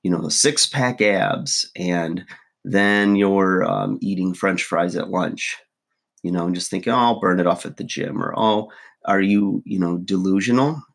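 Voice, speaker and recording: A man with a very low, husky voice speaks to his viewers early in the morning. His groggy voice carries a loose, rambling coaching talk with plenty of fillers. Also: unhurried. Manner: rambling, many fillers and asides. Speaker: fitness coach and vlogger. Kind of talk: casual motivational talk to camera.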